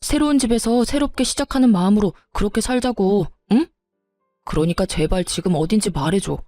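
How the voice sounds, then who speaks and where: 여자가 연기하는 애원하는 남편. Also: female voice, mid-range voice, a little fast, warm tone, no room sound, soft background music, natural voice. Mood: pleading. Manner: begging then threatening, flip-flopping. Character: desperate pleading husband, quick-tempered, married man. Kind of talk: story narration with voiced dialogue.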